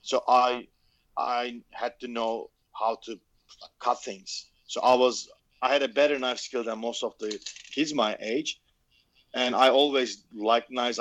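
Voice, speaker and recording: A man's voice: medium pitch, fairly bright tone, no room sound. Man in dry podcast audio. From Turkey. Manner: candid and swearing, laughs easily. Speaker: knife maker, podcast co-host. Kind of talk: casual podcast chat.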